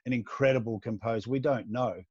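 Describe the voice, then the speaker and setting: A man's voice: mid-range voice, steady tone, brisk, a little mellow, slightly rough, dry recording. Rambling male co-host, dry lo-fi sound. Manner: rambling storyteller with many restarts. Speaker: podcast co-host. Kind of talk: casual interview talk.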